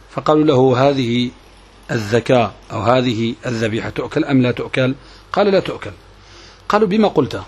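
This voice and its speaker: A man with a husky, slightly breathy voice teaches a grammar lesson, his speech carrying a flavor. He explains slowly and deliberately, repeating phrases so his students can follow along. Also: medium pitch. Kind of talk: classroom lesson. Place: prison room with students.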